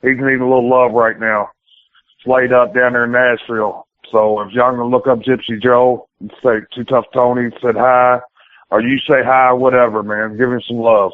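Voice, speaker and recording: A man's voice: medium pitch, level tone, normal speed, dry recording. A man, a pro wrestler giving a casual interview, who rambles in plain-spoken, colloquial and sometimes profane speech. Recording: tinny phone-like radio interview audio.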